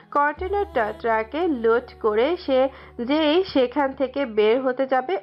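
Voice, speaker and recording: Woman narrating a story, lo-fi. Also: high-pitched. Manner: steady storytelling, occasional slips.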